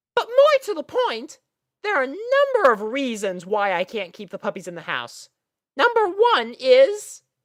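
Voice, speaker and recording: In a put-on character voice, the speaker sounds bubbly, squeaky and high-pitched at a moderate pace. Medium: read story.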